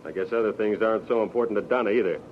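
A man's voice: on the low side, rapid-fire, natural voice. Male actor as resentful young hired hand, American, sarcastic sneer, muffled vintage radio recording. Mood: sarcastic, jealous. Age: young adult. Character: surly, jealous young handyman with a sarcastic chip on his shoulder. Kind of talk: 1940s radio drama acting. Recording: muffled old radio recording, faint noise.

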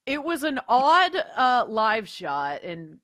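A woman's voice: on the high side, big pitch swings, slow, a bit bright, no echo. A woman co-hosting a sports betting podcast, chatting casually and laughing as she talks. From near Washington DC area. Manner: chatty, laughs while talking. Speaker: podcast co-host. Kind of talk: casual chat.

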